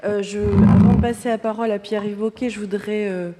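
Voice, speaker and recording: A woman's voice: medium pitch, fairly even intonation, a little fast, very noisy. A woman moderating a round table, introducing the next speaker with hesitant, filler-heavy phrasing. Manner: hesitant, many filler sounds. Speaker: panel moderator. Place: lecture hall. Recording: long hall reverb.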